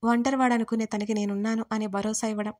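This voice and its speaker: A young woman reads a romance story aloud as its heroine, in the first person. Her voice sits a little high for a woman. She keeps the telling intimate and full of feeling. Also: flat delivery, fast, darkish tone. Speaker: audio story narrator.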